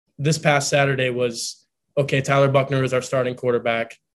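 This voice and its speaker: The speech moves at a fairly quick pace with monotone, flat intonation. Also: man. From Texas. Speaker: sports beat writer. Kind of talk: interview.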